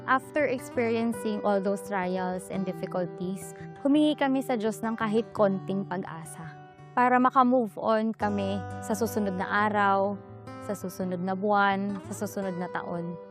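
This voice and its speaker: A woman's voice: mid-range voice, moderate pace. A woman with a Filipino accent giving an earnest personal testimony of faith. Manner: earnest, mixes Tagalog with English. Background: guitar music.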